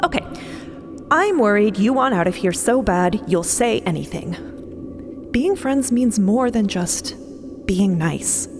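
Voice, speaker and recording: A woman playing an anxious, conscientious young woman in an audio drama, speaking in halting, emphatic, pleading bursts. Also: mid-range voice, animated, noisy background. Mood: apologetic, earnest. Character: anxious, conscientious young woman, a people-pleaser finding nerve.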